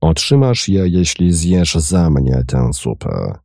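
A man voicing a bold gentleman adventurer. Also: extremely low pitch, takes it slowly, gravelly, dry recording, studio quality, heavily acted. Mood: coaxing. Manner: calm, firm, commanding.

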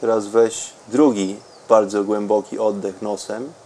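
Slow-talking man, calm and unhurried. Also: fairly low pitch, a little hiss or hum. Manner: calm, unhurried, soothing delivery with long pauses. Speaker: podcast host and meditation guide. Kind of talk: guided breathing meditation.

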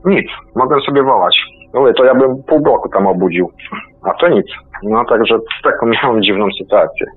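A man's voice: lowish voice, expressive, husky, dry recording, faint music behind. Stammering man calling in by phone. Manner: halting and stammering, repeats words often. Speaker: caller. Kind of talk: telling a personal experience on a call-in radio show. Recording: tinny phone line.

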